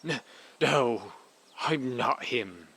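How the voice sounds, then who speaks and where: An actor playing a dazed, solemn king newly freed from a curse, halting and grandiose, in a fairy-tale audio drama. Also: mid-range voice, expressive, pushed and bright, breathy edge, heavily acted.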